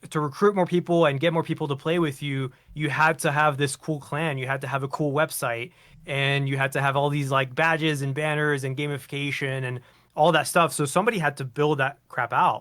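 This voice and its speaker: A man speaks at a fairly quick pace with an American accent. His tone is bright and sharp. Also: very clean recording, silent background. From France, then US from age 11. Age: 30s. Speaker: web security director, former gamer. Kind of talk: casual interview chat.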